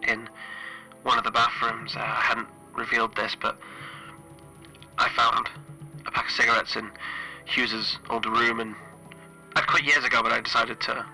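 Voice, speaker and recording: A man playing a weary, frightened spaceship engineer in a solo role-playing game, recording a halting, hesitant audio log. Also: mid-range voice, flat delivery, gravelly, pushed and bright, faint music behind, low-quality recording. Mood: subdued, confessional. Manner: hesitant, halting, broken phrasing.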